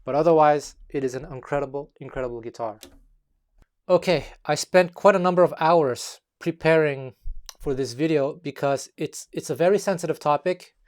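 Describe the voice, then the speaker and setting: A man from Montreal, Quebec, with a slightly high voice talks straight to the camera about his background. Taiwanese was his first language, and he picks his words with care and fills his pauses with um and uh. He has the relaxed, thoughtful pace of a guitar teacher explaining something to his students. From Montreal, Quebec, Canada. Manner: measured, careful with his words, with frequent um and uh. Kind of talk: talking-to-camera video essay.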